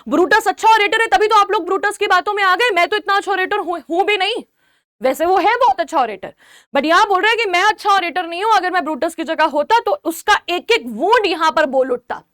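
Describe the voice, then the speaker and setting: A young woman with a very high voice teaches a literature lesson for exams. She goes through the text line by line, repeating key phrases and checking in with her students. The sound is dry, with no room echo. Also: lively intonation, brisk, fairly bright tone. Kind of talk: exam-prep literature lesson.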